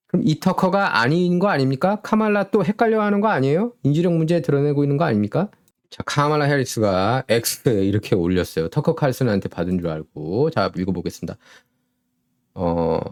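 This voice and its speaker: Animated sarcastic male political commentator. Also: mid-range voice. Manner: sarcastic, rhetorical questions, animated.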